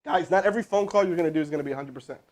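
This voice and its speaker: A man hosting a live stream as a sales trainer, energetic and casual, with chatty asides to his crew. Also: a little high, racing. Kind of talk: hyped live-stream coaching and cold calling. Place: indoor room with crew present.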